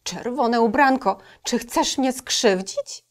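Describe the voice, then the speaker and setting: A woman's voice: on the high side, slow, pitched above the performer's own voice. A woman voicing a timid, easily frightened male wolf in a children's storybook reading, anxious and hesitant. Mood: fearful.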